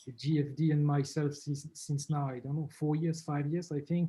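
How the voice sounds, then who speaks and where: A man with a French accent speaks in a dark, mellow tone that is somewhat breathy. His intonation is monotone and flat. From France. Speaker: university lecturer. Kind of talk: lecture. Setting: video call.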